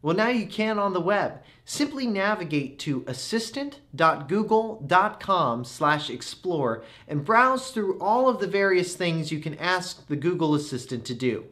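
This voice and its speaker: A young man in his twenties narrating a scripted tech review with a clear, instructional delivery. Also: sits high, very animated, unhurried, hardly any pauses, a bit bright. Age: 20s. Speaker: tech reviewer, video host.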